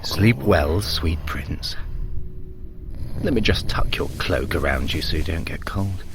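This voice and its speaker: An actor playing a sly, vain trickster god in an audio drama, sardonic and theatrical, sharp-tongued with a fretful edge. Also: male voice, extremely low pitch, lively intonation, slow pace, creaky, noisy background, heavily acted. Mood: hushed, uneasy. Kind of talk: audio drama acting, addressing the listener.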